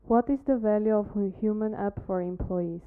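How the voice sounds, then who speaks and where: A woman's voice: medium pitch, moderate pace. A woman moderating a Q&A session, plainly reading out questions to a presenter. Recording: phone-like narrow band.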